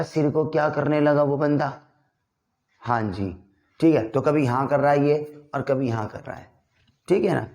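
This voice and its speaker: A man's voice: on the high side, a little mellow. A man teaching an English vocabulary lesson to a class, drilling words by repeating them and checking in with his students.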